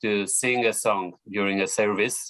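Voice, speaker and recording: Against a quiet background, a man with a Polish accent speaks at a very slow pace. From Poland, Warsaw. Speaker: podcast guest, LGBTQ advocate. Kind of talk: casual interview. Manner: hesitant, many fillers.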